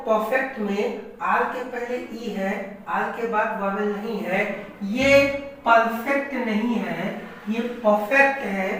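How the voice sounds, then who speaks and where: A man teaching an English lesson, spelling words letter by letter and often clearing his throat. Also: sits high, pushed and bright, heavy reverb, distant mic, a little hiss or hum, rough recording. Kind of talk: classroom lesson.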